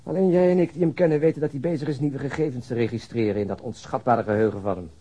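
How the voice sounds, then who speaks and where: A man's voice: medium pitch, fast talker, mellow, husky, natural voice. An actor playing a weary, sarcastic male police detective who needles his colleagues in a Dutch radio crime drama. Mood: weary mockery. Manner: sardonic, mocking.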